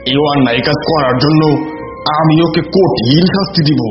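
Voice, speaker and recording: A man's voice: on the high side, moderate pace, natural voice. A man voicing a proud, stern lion king in a children's cartoon, pompous and commanding. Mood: stern, indignant. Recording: dull, echoey audio with music.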